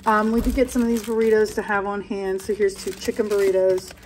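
A woman's voice: medium pitch, little pitch movement, fairly quick, darkish tone, slight background noise, rough recording. Chatty woman showing off a grocery haul. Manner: chatty, rambling, self-correcting. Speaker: vlogger. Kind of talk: casual grocery haul vlog. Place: home kitchen, indoors. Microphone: phone camera held close.

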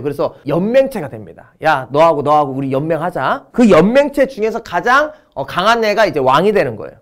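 Middle-aged guy teaching exam history, super lively ups and downs, jokey and animated. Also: sits high. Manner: animated, playful, acts out little skits. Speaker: history lecturer. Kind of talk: exam-prep lecture.

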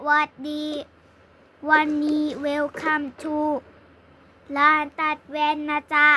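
A young girl voicing a friendly female glasses-shop clerk who greets customers in a slow, sing-song way in a toy game role-play. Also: high voice, completely flat delivery, bright, forceful tone, a little hiss or hum, pitched below the performer's own voice, full character voice. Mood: welcoming.

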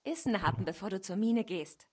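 A woman's voice: medium pitch, lively intonation, brisk, warm tone, slightly rough. An actress voicing a dutiful young village woman in a medieval video game, firm with her lazy brother. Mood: scolding. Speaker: game character. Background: game music.

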